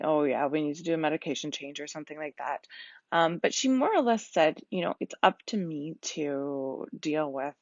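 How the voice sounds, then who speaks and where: Tired husky-voiced woman on a live stream. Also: low voice, no echo. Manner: candid, rambling, laughs often. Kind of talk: casual live stream talk. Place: at home. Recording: dull lo-fi sound.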